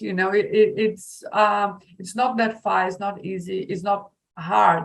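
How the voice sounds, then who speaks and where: A woman with a Brazilian Portuguese accent, very slow pace and ordinary pitch variation. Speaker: migrant interviewee. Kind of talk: podcast interview.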